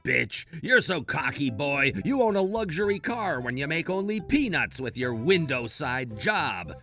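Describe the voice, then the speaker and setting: A man's voice: fairly high pitch, big pitch swings, unhurried, pushed and bright, soft background music, heavily acted. A man voicing a spiteful, crude bully of a boss who sneers and cackles. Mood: sneering.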